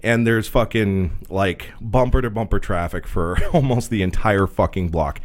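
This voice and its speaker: A man telling a profane, animated story in casual podcast chat. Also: fairly low pitch, moderate pace. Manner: animated, profane, laughs a lot. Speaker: podcast host.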